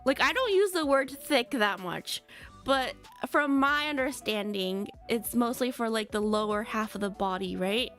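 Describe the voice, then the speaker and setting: A woman with a high, light voice teaches English vocabulary on a stream, switching between slow, deliberate English and quick casual Japanese. She answers chat with easy laughs, and faint music plays behind her. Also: a bit bright. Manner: chatty, laughs often, reads chat comments. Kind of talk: bilingual English lesson stream.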